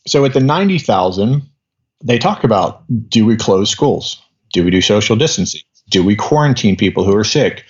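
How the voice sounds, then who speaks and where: A man's voice: on the low side, lo-fi sound. A man in his fifties explaining at length in a podcast interview, rambling with many restarts. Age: 50s. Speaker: guest doctor.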